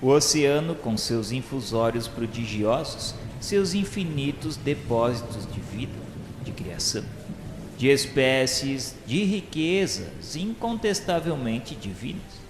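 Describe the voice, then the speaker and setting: A Brazilian man playing a repentant spirit who narrates a radio serial, solemn, fervent and awestruck, declaiming in grand literary style with dramatic pauses. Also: mid-range voice, big pitch swings, slight background noise. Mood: solemn awe. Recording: echoey hall reverb over music. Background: music.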